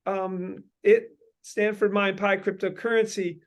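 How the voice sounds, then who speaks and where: A man hosting a meeting talks in long, winding sentences, pausing often on ums and uhs. His voice sits high and comes through smooth and resonant. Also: flat delivery. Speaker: host leading a meeting. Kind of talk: brainstorming meeting talk.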